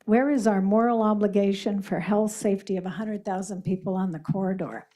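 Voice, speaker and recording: A woman's voice: mid-range voice, fairly even intonation, fairly quick, dark tone. A woman giving emphatic, prepared public testimony at a school board meeting. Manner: earnest, emphatic, reading prepared remarks.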